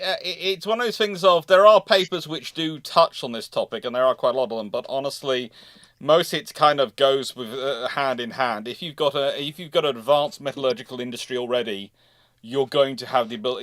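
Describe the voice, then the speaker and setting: Hosting a casual live chat, a man talks emphatically and wanders off on tangents, stammering and repeating words as he warms up. His medium-pitched voice is brisk and a little bright, captured in a dry recording.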